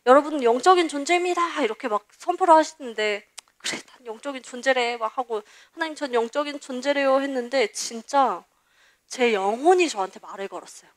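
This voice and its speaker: A woman's voice: fairly high pitch, fairly quick. A young woman junior pastor preaching a personal testimony in a candid storytelling way, acting out the voices she quotes. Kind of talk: testimony sermon.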